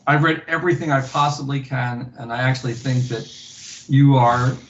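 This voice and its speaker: A man chatting casually about philosophy in a talkative, teasing way, relaxed after a drink, heard on muffled, roomy lo-fi audio. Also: mid-range voice, moderate pace, a little hiss or hum. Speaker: discussion partner.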